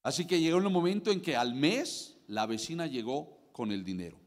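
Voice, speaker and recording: A Mexican man preaching a sermon as pastor, dramatic, swinging from loud bursts to low murmurs. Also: lively intonation, normal speed, in a large hall.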